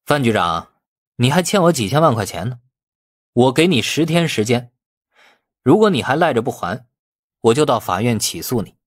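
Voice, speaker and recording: Man acting brazen, husky, taunting rogue. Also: mid-range voice, very animated, moderate pace, pauses often, no echo, studio quality. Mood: smug, challenging. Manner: defiant, taunting. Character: brazen, cunning man defying the police.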